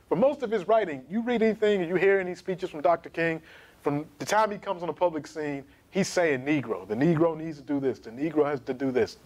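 A man in his thirties giving an emphatic, animated history lecture to camera in a small studio. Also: fairly high pitch. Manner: animated, emphatic, gesturing while pacing.

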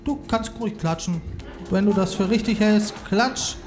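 A man's voice: high voice, moderate pace. A man hosting a poetry slam on stage at a stand mic, chatty and announcing the scores with some fillers. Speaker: slam host. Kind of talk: live event moderation. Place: stage in a hall with audience. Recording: live hall with crowd and music.

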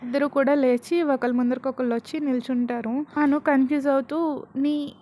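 A woman narrates a romance serial in a casual, conversational way. Her voice is high-pitched, and English words slip freely into her telling. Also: fairly even intonation, brisk, dark tone. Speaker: storyteller.

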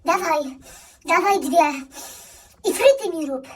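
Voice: very high voice, expressive, measured pace, sharp tone, distant mic, full character voice. A performer playing a spoiled teenage boy in a comedy sketch who bosses his mother around and answers rudely. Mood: bossy. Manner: dismissive, bossy, crude. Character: spoiled rude teenage boy gamer, dismissive and bossy. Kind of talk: comedy sketch role-play.

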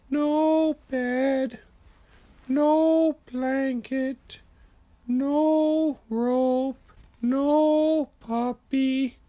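A woman voicing a friendly, childlike dog sock puppet telling a children's story in a goofy, simple, drawn-out way. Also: sits high, dark tone. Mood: sorry, then eager.

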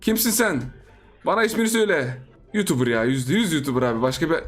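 A young man with a slightly high voice that swings widely in pitch, talking through a match in a joking, teasing way. He laughs often and keeps up playful gameplay commentary as a gaming YouTuber, with faint music under him. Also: sing-song, rapid-fire.

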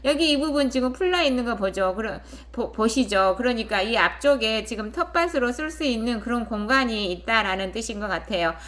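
On her rural property channel, a woman explains a listing and its photos in a chatty, casual way and keeps checking in with viewers. Her voice sits a little high, sounds fairly bright, and has lively intonation, and she speaks a little fast with few pauses.

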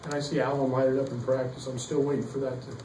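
Middle-aged coach guy at a press conference, halting lots of um and uh, mic kinda far off, roomy echo. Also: medium pitch, flat delivery, mellow. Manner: halting, many fillers and restarts. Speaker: basketball coach. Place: press room behind a table. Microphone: table mic, heard from some distance. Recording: echoey room, distant mic, faint noise.

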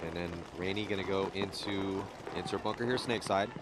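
A man giving live play-by-play sports commentary, lively on big plays. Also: sits low, fairly quick, heavy background noise. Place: outdoor paintball field.

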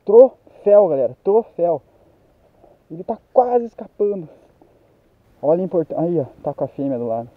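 A young man with a Brazilian Portuguese accent, out of breath, talking excitedly to viewers as he lands a fish on a riverbank. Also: on the high side, a little fast, no echo, narrow, tinny audio. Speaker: fishing vlogger. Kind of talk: excited outdoor fishing commentary. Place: outdoors on a riverbank. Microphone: handheld camera mic.

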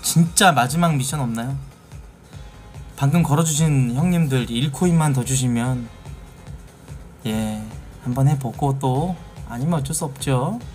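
A man streaming a game live, talking casually and yelling and swearing at it. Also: medium pitch, a little slow, faint music behind. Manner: excitable, swears and yells at the game.

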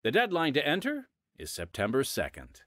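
A man's voice: medium pitch, huge pitch swings, normal speed, heavy background noise. An American man hosting a Christian audio drama podcast, reading scripted announcements and narration. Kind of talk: scripted radio narration over music.

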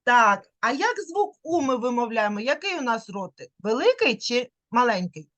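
High, lively-voiced woman teaching a child. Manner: patient, drawn-out vowel demonstrations, coaxing questions. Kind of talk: online literacy lesson for a young child. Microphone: video call.

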